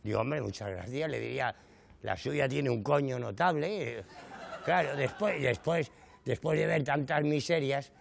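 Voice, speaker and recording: Medium-pitched and measured, with vocal fry, the comedian works through a stand-up monologue before a live studio audience. He's a middle-aged man with a Canary Islands Spanish accent who inflates his tales with mock outrage and addresses the crowd with frequent rhetorical asides.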